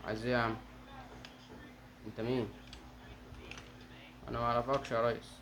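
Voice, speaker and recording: A young man with an Egyptian Arabic accent giving excitable gameplay commentary and talking to his viewers. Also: medium pitch, slight background noise. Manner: fast, excitable, talks to viewers. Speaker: gaming channel host.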